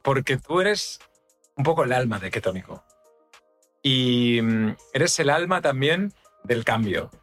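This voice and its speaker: A man's voice: mid-range voice, expressive, normal speed, a bit bright, faint music behind. A man hosting a podcast, asking his guest questions in an easygoing way. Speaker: podcast host. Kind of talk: casual interview chat.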